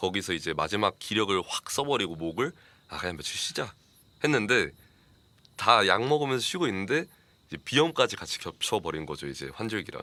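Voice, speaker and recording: A man's bright, sharp voice at a fairly low pitch, with very wide pitch swings, a fairly quick pace, and long, frequent pauses, on a very clean recording with a silent background. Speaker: ASMR channel host and performer. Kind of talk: casual chat.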